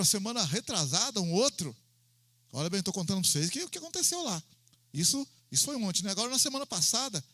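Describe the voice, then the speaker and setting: A man's voice: sits high, dry recording. A man with a Mineiro Brazilian accent preaching a sermon, telling stories and acting out dialogue, calling out for amens. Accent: Mineiro Brazilian Portuguese. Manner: animated, acts out dialogue, calls for amens. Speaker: pastor. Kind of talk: sermon with storytelling.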